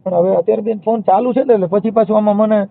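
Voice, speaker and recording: A man's voice: sits high, fairly even intonation, racing, vocal fry, no room sound. A man talking as a social worker taking a call, in a phone conversation. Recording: narrow, muffled phone-call line.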